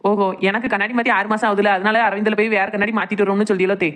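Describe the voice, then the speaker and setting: A woman's voice: medium pitch, little pitch movement, rapid-fire, fairly bright tone, lightly acted. A woman voicing a cheeky, chatty young daughter-in-law in a cartoon comedy, teasing with mock innocence in a southern Tamil Nadu accent. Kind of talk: cartoon comedy drama dialogue.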